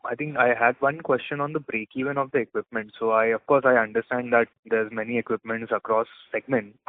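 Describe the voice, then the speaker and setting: A man's voice: medium pitch, no room sound. A man with an Indian accent asking questions as an analyst on a conference call, in a conversational style. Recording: dry, tinny phone line.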